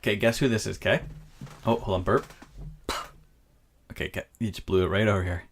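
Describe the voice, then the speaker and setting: A man's voice: on the low side, brisk, slight background noise. A young man hosting a podcast, chatting casually and joking with his sister as they swap impressions. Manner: joking, playful, lively delivery. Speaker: podcast host.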